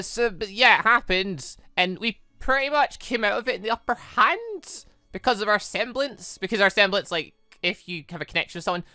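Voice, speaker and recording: A gaming host giving casual, rambling, excitable commentary over a playthrough, chatting informally. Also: medium pitch, clear, resonant tone, dry recording. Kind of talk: casual playthrough commentary, reading dialogue aloud.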